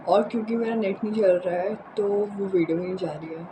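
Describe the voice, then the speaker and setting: A young woman with a hoarse, sore throat chats casually and unscripted in a rambling home vlog, mixing in English words. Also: medium pitch, a little fast, noisy background. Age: young adult. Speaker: vlogger. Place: indoors in a room at home.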